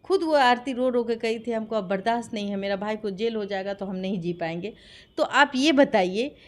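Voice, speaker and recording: In an interview about a dispute, a Bihari woman from India gives her account with fervor, pressing her points through rhetorical questions in a Bihari accent. She speaks at normal speed in a fairly high voice.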